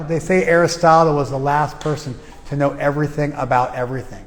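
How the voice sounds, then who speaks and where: Casual lecturing man in a reverberant hall. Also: a little high. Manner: casual, conversational, joking asides. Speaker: spiritual teacher. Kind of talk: informal class lecture. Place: class venue with reverb.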